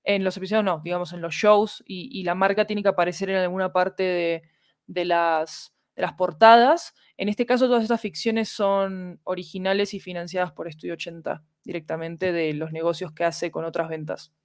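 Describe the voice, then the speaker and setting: Clear-voiced woman, interview guest. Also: lowish voice, fairly even intonation, moderate pace, no echo, clean studio sound. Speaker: podcast producer, interview guest. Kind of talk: casual interview explanation.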